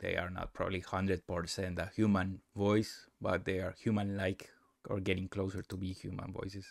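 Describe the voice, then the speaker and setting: A man narrating a casual software tutorial as a demonstrator, with halting, non-native English phrasing. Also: sits low, completely flat delivery, creaky, dry recording, studio quality.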